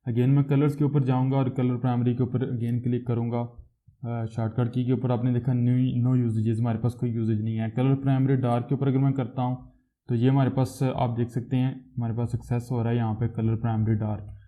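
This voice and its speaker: Flat-voiced man explaining code, tinny audio. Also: medium pitch, fairly quick. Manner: explains step by step, with frequent self-corrections and filler sounds. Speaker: programming tutor. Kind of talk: screen-recorded coding tutorial.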